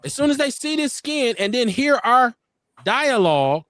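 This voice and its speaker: A man's voice: moderate pace, dry recording. A man with an urban Black American accent who hosts a live online talk show, speaking casually, turning preachy as he makes his points and reading viewer comments aloud. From United States. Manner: animated, preachy, leaps up high in pitch to make points.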